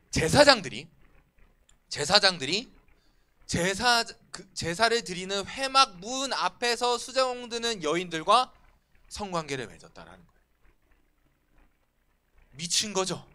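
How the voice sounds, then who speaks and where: A man preaching to a church youth group, animated and often asking the students questions. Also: sits high. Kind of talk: sermon. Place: church worship room.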